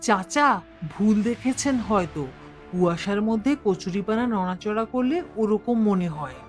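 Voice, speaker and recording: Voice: medium pitch, expressive, normal speed, close to an everyday voice. An actor voicing a brave, devout twelve-year-old schoolboy in a cartoon, confident and reassuring. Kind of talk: cartoon dubbing. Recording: music bed behind voice.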